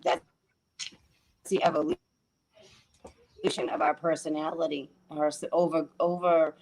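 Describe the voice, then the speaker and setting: A woman joining a livestream as a guest, talking slowly and haltingly over a crackly call line. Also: low-pitched, level tone, vocal fry, darkish tone. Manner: slow, hesitant, halting. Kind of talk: casual livestream chat.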